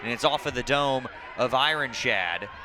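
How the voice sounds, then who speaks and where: A man calls a soccer match live for television in a mid-range voice, with clearly audible crowd and outdoor noise around him. His delivery moves between short, clipped calls of the play and steady recaps of results and numbers. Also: medium pitch, moderate pace. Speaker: play-by-play sports commentator. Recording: clearly noisy outdoor broadcast with crowd ambience. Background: crowd and outdoor ambient noise.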